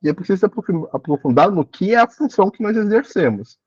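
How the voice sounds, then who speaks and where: A man's voice: high voice, big pitch swings, fast talker, breathy edge, no echo, highs cut off. A man thinking aloud in a casual study group discussion, reflective and often rephrasing himself.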